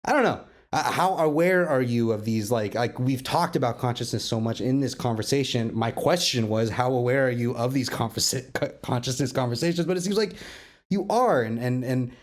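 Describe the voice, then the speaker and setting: Man, medium pitch, podcast moderator, enthusiastic, rambling, casual roundtable talk. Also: brisk. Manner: rambling, enthusiastic, self-interrupting questions. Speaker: podcast moderator and lore keeper.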